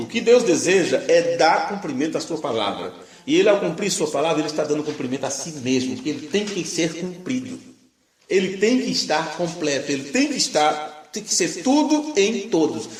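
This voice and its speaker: Noticeable background noise and audible room echo surround a man's voice. He speaks at a moderate pace with very wide pitch swings. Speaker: preacher. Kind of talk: sermon.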